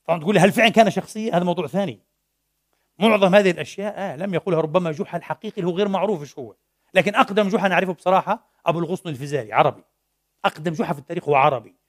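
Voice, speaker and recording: A middle-aged man preaching a sermon in a mosque, telling a story animatedly and slipping between formal and colloquial speech. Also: fairly high pitch. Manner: animated storytelling, mixing classical and colloquial Arabic. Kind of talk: Friday sermon.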